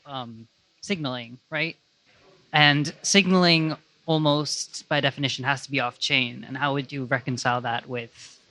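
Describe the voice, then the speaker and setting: A man posing a measured question at a live panel discussion. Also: medium pitch, pushed and bright, dry recording.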